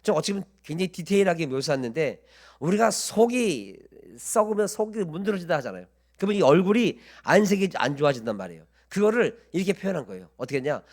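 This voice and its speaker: A male pastor preaching a sermon with a lively, rising-and-falling delivery. He explains the scripture step by step and keeps putting questions to the congregation. His voice sits slightly high. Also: fast talker.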